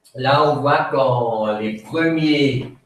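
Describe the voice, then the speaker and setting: Audible room echo around a man's fairly high voice, with ordinary pitch variation. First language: German (speaking French). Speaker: speaker at a public talk on seed policy. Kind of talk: lecture. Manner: halting, many repetitions and restarts.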